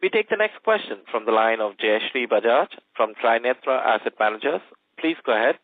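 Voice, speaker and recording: A man's voice: mid-range voice, lively intonation, fairly quick, dry recording. A man working as a conference call operator, giving formal scripted prompts. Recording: dry, narrow telephone line.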